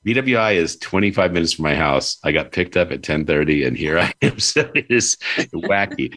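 A man's voice: sits low, animated, moderate pace, a bit bright. A man hosting an interview show, upbeat and rambling in casual chat. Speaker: podcast host.

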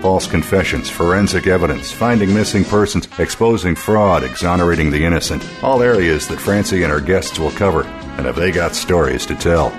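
A man's voice: low voice, fairly quick. Male radio promo announcer over music.

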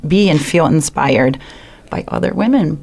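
Low-voiced Brazilian woman with an accent. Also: expressive, normal speed, gravelly, a little mellow, husky. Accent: Brazilian Portuguese. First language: Portuguese. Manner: storytelling, many fillers and restarts. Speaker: guest. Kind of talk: casual radio chat.

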